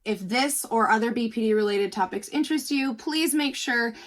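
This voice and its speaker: An American woman hosts a panel podcast in a fairly high-pitched voice. She addresses the viewers directly as she introduces and guides the discussion. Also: normal speed. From United States. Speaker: podcast host. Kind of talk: scripted-sounding show introduction to camera.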